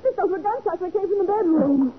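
1940s radio drama sidekick: anxious young female, high animated voice, urgent, tinny old recording. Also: brisk, heavy background noise. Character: detective's alert, anxious young female assistant.

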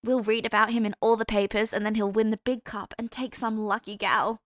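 A woman voicing an excitable, gossipy young college woman who talks in high, breathless bursts. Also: a little fast, dry recording, studio quality, natural voice. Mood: excited gossip.

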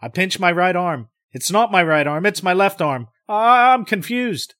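A man's voice: high-pitched, lively intonation, normal speed, bright, forceful tone, pitched above the performer's own voice. A man reading the part of a terrified man reliving an encounter, stammering and breathless with panic.

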